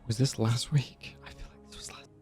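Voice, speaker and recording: A man casually commenting on a video game as he plays, reacting in a relaxed, amused way. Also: mid-range voice, a little fast. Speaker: streamer. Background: game music.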